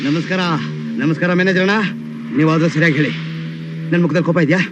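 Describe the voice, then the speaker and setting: A man's voice: fairly high pitch, fairly even intonation, quick pace, muffled recording, noisy background, natural voice. An actor playing a pompous male politician who keeps politely insisting he never gets angry, from a film comedy. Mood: insistent. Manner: overly polite, then shouting denials.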